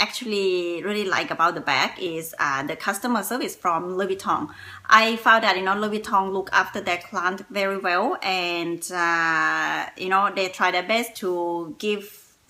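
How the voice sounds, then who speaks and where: A woman with a non-native accent, bright and sharp in tone, at a fairly slow pace with hardly any pauses. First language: not English. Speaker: fashion vlogger. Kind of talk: casual vlog monologue. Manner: halting, many fillers.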